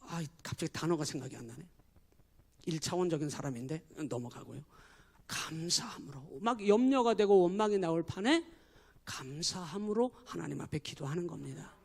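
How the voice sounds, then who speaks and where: High-voiced male pastor preaching emphatically. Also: lively intonation, normal speed, creaky, darkish tone. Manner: emphatic preaching, addressing the congregation constantly. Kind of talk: sermon. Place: church.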